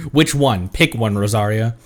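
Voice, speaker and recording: A man chatting casually on a live game stream, thanking viewers and laughing often. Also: on the low side.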